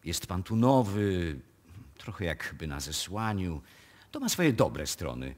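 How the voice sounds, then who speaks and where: An actor playing a formal, discreet male notary in a radio play, speaking in a measured, officious manner. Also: low voice, very animated, heavily acted. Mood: guarded, knowing. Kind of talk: live radio play acting.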